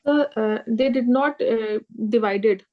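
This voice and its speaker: A woman's voice: on the high side, slow pace, dull audio. A woman student whose first language is Urdu, with a South Asian accent, answering unsurely and deferentially in an online class. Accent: South Asian English.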